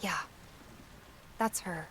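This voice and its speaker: A woman's voice: extremely slow, a bit bright. A woman playing an earnest, troubled young female fighter in a dramatic video game. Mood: reassuring.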